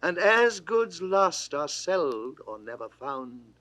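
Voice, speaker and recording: Older actor, declamatory classical verse: very slow, wide-ranging bright voice, dry vintage studio. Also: male voice, fairly high pitch, very animated, no echo. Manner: declamatory, lingering on words with wide swoops. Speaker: poetry reader. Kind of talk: classical dramatic verse reading. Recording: dry 1960s studio recording.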